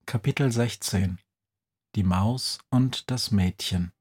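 Male audiobook narrator, calm and measured, husky, very slow. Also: on the low side.

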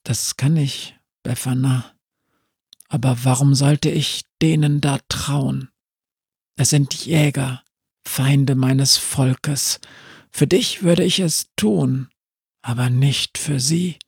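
A man voicing a proud, wary creature of the caves in a measured, guarded way. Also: medium pitch, fairly even intonation, gravelly, a little mellow, breathy edge, no echo, studio quality, exaggerated voice.

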